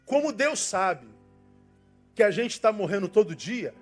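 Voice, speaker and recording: An older man with a Brazilian Portuguese accent, preaching a sermon with passion, swinging from loud emphasis to soft asides. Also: sits high, very animated, unhurried, faint music behind. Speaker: pastor.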